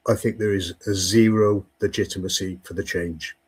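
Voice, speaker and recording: A Welsh guest commentator in a political discussion speaks emphatically in a low, steady, husky voice with a darkish tone at a moderate pace. He often stumbles over repeated words.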